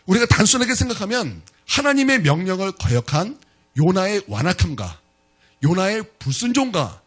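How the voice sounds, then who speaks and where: A male pastor preaching a sermon in church, retelling a story in an animated way and talking directly to his congregation. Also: high-pitched, brisk, breathy edge.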